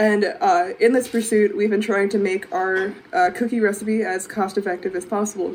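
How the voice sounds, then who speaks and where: In an unremarkable speaking voice, a woman with an American accent talks at medium pitch and a moderate pace, with fairly even intonation and hardly any pauses. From Western Massachusetts, US. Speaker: listener asking question.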